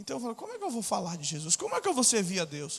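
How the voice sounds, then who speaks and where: This man's voice sits high in pitch. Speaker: pastor. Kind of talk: sermon. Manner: fast.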